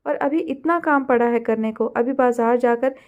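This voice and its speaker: A woman's voice: a little high, normal speed, darkish tone, muffled recording, close to an everyday voice. A woman voicing a patient young woman, an older sister who mildly scolds her siblings, in a storybook reading. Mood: scolding.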